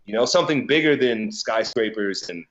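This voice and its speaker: A man's voice: on the low side, normal speed, a bit bright, highs cut off. A man from Colorado talking as a guest in a casual conversation, loose and profane, with lots of filler words and easy laughs. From Colorado, USA. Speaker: guest, DJ and business owner.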